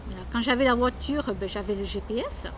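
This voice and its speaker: A woman's voice: a little high, a little fast. A woman from France chatting casually and at length as a vlogger, exclamatory and self-deprecating, often repeating herself. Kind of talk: casual rambling chat. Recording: muffled lo-fi sound, loud background noise.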